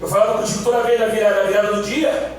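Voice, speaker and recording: A preacher voicing God, coaxing, echoey hall. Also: male voice, high-pitched, flat delivery, racing, far from the mic, lightly acted. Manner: tender, coaxing, repeated questions. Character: God calling gently to a hiding man. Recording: echoey church from afar.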